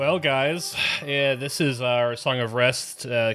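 There is music in the background as a man talks with an American accent. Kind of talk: casual chat.

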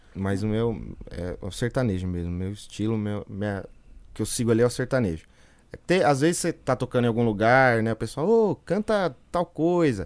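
At a moderate pace, a man with a normal speaking voice talks at medium pitch with lively intonation. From interior of São Paulo state, Brazil. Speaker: sertanejo singer. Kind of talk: interview.

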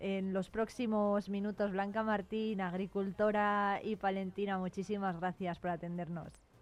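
A woman's medium-pitched voice, fairly slow and monotone, against a quiet background. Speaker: radio host. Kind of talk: live radio news and interviews.

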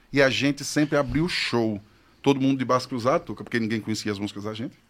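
The pitch of this man lands fairly high. Words come out at a very fast pace. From Aracaju, Sergipe, Brazil. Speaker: singer in a forró duo. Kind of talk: casual podcast interview.

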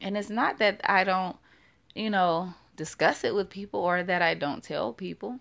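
A woman's medium-pitched voice with vocal fry, ordinary pitch variation and a moderate pace, set against a quiet background. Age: 30s. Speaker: podcast host. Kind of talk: personal storytelling monologue. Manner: casual, conversational.

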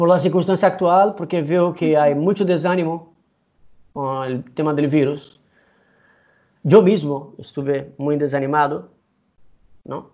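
A man's fairly high voice with ordinary pitch variation and long, frequent pauses. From Brazil, Manaus (Amazonas). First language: Portuguese (speaking Spanish). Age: 40s. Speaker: musician. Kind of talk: interview. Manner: halting.

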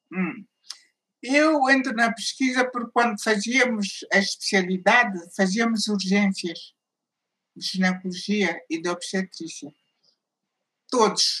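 A woman's fairly high, bright, sharp voice at a very slow pace, with ordinary pitch variation and long, frequent pauses. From Mozambique. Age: 70s. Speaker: gynecologist and researcher. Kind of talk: interview.

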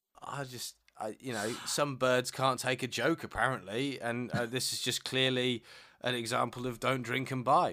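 A man with a British accent talks at a moderate pace and medium pitch, his tone bright and sharp and his intonation fairly even, in a very clean recording with a silent background. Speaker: role-playing game player. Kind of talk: casual chat. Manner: laughs often.

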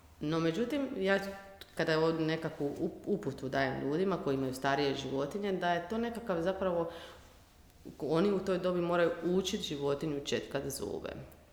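A woman talks at a fairly quick pace with a fairly low pitch and ordinary pitch variation. Noticeable background noise and audible room echo are present. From Croatia, Slavonia, rural. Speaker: veterinary dentist. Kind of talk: interview.

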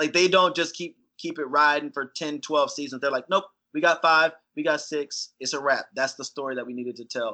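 A man has a plain, everyday voice at a fairly high pitch. He talks at a fairly quick pace with fairly even intonation and big swings in loudness. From US, military family, moved often. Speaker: podcast co-host, tech engineer. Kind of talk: casual chat.

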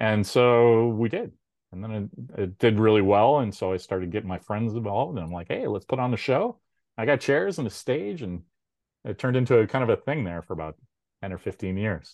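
A man with a plain, everyday voice and an American accent, fairly low in pitch, at a fairly quick pace with ordinary pitch variation. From United States. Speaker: comics writer and publisher. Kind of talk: casual interview.

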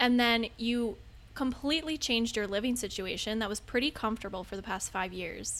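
The pace is fairly quick. It is a normal speaking voice. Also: woman, fairly high pitch for a woman, ordinary pitch variation. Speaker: podcast host, creative business owner. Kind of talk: casual chat.

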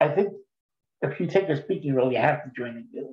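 In an American accent, a man talks with lively intonation and a somewhat breathy voice. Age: 70s. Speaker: actor and rideshare driver. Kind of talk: casual interview.

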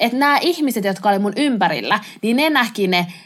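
Here is a woman with an unremarkable speaking voice. She keeps a moderate pace with lively intonation. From Helsinki, Finland. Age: 20s. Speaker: podcast co-host, student. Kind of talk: casual chat.

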